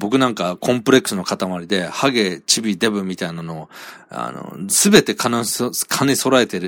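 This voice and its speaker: A man at a fairly slow pace with lively intonation, on a very clean recording with a silent background. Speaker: solo podcaster. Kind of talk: casual solo monologue. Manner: burping between lines.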